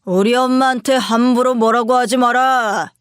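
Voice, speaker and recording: A woman's voice: a little high, steady tone, moderate pace, smooth, dry recording, clean studio sound, close to an everyday voice. A woman voicing an arrogant, dismissive husband who talks down curtly and contemptuously. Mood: cold contempt. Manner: curt and contemptuous.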